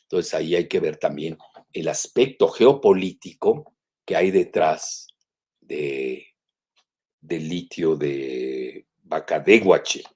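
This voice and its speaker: Low, husky older Mexican man rambling. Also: takes it slowly, dark tone. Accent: Mexican Spanish. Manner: rambling and digressive, many "eh" fillers, self-corrections. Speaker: geopolitical analyst hosting a weekly live show. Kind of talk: live commentary, reading and remarking on news.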